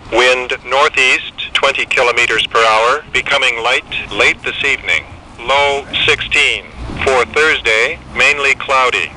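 A man's voice: medium pitch, pushed and bright, slight background noise, rough recording. A synthetic man's voice reading an automated weather forecast in a segmented, pieced-together delivery through a small handheld radio speaker. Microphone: camera held near radio's speaker.

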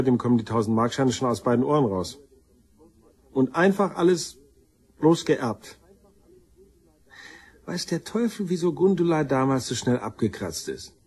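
A shiftless black-sheep brother in a crime audio drama. His medium-pitched voice is rough around the edges. He talks in loose slang and puts himself down as he confesses to police. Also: animated, moderate pace, long pauses, darkish tone. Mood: bitter. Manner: colloquial, slangy, self-deprecating. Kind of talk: German crime radio drama acting.

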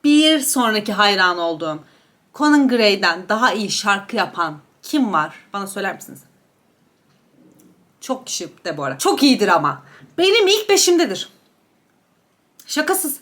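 A woman's voice: mid-range voice, sing-song, moderate pace, long pauses, fairly bright tone. A young woman chatting casually while eating on camera, gossiping and gushing about celebrity outfits. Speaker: beauty and gossip YouTuber. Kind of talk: casual mukbang chat reviewing celebrity outfits.

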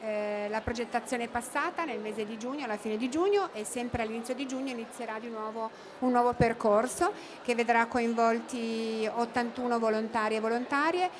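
A woman's voice: on the high side, moderate pace, few pauses, noisy background. A middle-aged woman answering interview questions at an expo booth into a handheld mic, with many fillers and restarts. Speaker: interviewee, cooperative representative. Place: expo booth studio, indoors.

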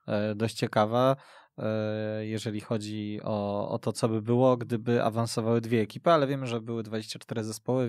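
A man's voice: on the low side, no echo. Male football host in a dry studio. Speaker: radio podcast host. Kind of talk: conversational football discussion. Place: radio studio.

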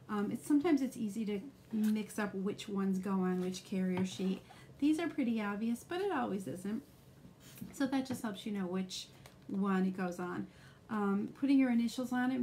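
A woman's voice: medium pitch, mellow, slight background noise. A middle-aged woman demonstrating a craft live, explaining each step in a chatty way with frequent ums.

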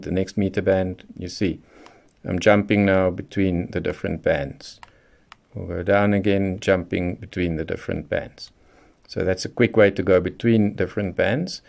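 Hosting a radio how-to segment, a man explains a hands-on product tutorial in a methodical, instructional way, one step at a time. His voice is lowish, gravelly and a touch mellow.

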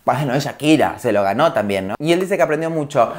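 Low-voiced Rioplatense woman dishing gossip. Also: animated, quick pace. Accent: Rioplatense Spanish. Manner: rambling, opinionated, teasing asides. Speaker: celebrity gossip vlogger. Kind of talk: casual gossip commentary.

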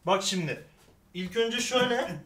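A man's voice: sits high, normal speed, crowd noise. A man hosting a casual chat, playful and teasing, pointing things out to his co-host. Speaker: show host.

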